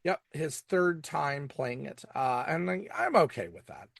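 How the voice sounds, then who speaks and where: A man hosting a casual podcast recap, talking in a halting way and often repeating words as he goes. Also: a little high, very animated, vocal fry, crowd noise. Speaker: podcast host reviewing TV episodes. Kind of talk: casual episode recap and commentary.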